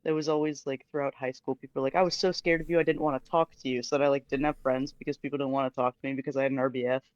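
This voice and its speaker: A woman's voice: very deep voice, flat delivery, racing, darkish tone, no echo. A young woman chatting casually as a stream guest, laid-back and laughing as she talks. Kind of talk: casual chat. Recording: muffled, dry sound.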